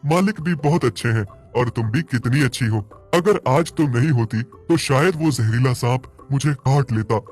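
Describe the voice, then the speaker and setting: A man voicing a jealous, grumpy black bull with a soft heart in a cartoon story, speaking in an emphatic, indignant manner. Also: mid-range voice, normal speed, few pauses, soft background music, natural voice. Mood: apologetic, earnest. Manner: indignant, scolding, emphatic questions.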